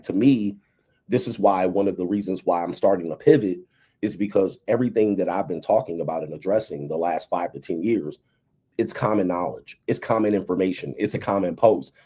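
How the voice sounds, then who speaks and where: A man of fifty talking in a loose, emphatic commentary style, leaning on "right?" and "okay" to drive each point home. His voice sits low and dark, with a husky edge. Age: 50s. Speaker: relationship and dating commentator. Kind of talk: casual livestream commentary.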